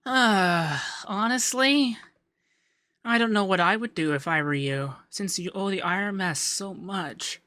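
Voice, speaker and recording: Man acting a bright-voiced, coy, effeminate young accountant. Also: sits high, measured pace, dry recording. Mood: flustered, coy. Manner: coy, teasing, lilting, hesitant in places. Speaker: ASMR voice actor. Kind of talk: ASMR roleplay.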